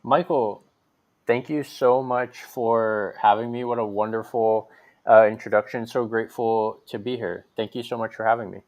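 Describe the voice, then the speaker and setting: A man's voice: lowish voice, steady tone, normal speed, a little mellow. A young man from Hawaii, a podcast guest talking casually with lots of fillers and restarts. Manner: chatty, many fillers and restarts. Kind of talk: casual interview conversation.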